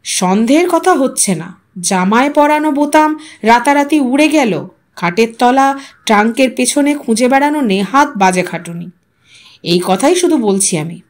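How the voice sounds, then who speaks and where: A woman's voice: high-pitched, animated, normal speed. A woman narrator plays an aggrieved man visiting relatives in a literary audio story. The delivery is grave and coldly sarcastic, dismissing others with cutting, varied intonation. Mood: cold, bitter. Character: Niren, aggrieved, coldly sarcastic male house guest.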